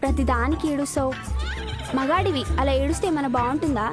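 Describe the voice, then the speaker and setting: A woman with a high voice plays a coworker who teases her friend in a comedy sketch. She talks casually and gives him advice. Faint music plays underneath. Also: fast talker. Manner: teasing, then giving advice.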